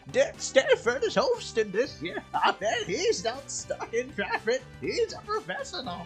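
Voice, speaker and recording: Clear music plays behind a high-pitched, put-on character voice that moves at a fairly slow pace. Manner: fussy, chiding, impatient.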